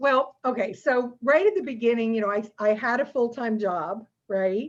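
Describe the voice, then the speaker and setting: Her pace is moderate, and this woman uses ordinary pitch variation. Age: 60s. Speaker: network marketing business leader. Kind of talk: interview on a team video call. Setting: video call. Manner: animated.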